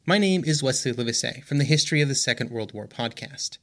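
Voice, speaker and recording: A man delivers a scripted promotional read in a sweeping, earnest style at an everyday pitch. He invites listeners to his own show. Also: expressive, fast talker, a bit bright.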